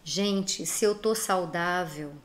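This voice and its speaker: A woman's voice: fairly low pitch, slow pace. A woman from Brazil who has a cold, giving an earnest, emphatic talk straight to her listeners and urging them to act. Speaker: speaker giving reflections to followers. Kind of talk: direct-address motivational talk.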